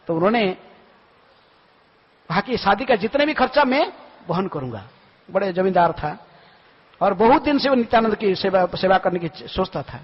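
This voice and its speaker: A man giving a devotional storytelling lecture in a temple hall, often asking himself questions and answering them. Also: sits high. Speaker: monk lecturer. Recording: lo-fi recording with long hall reverb.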